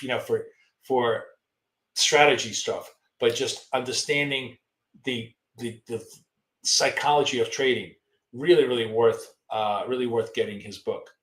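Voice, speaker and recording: A hoarse man talks through a live trading stream in a casual, rambling way, stopping to answer viewer questions. His voice sits at an ordinary middle pitch, and the room around him rings with a noticeable echo. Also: fairly bright tone. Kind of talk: live-stream market commentary.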